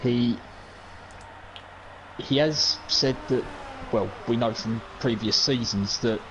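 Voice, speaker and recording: Male co-commentator, measured delivery, mid pitch, noisy home recording. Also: muffled recording. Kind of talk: casual race-preview commentary. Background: dog at home.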